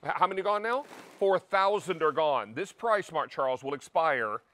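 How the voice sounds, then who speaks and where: A man's voice: on the high side, lively intonation, moderate pace, a bit bright. A middle-aged man hosting a live shopping-channel cooking show, counting down stock and deadlines in an upbeat way. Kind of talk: live home shopping sales talk. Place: large TV studio kitchen set.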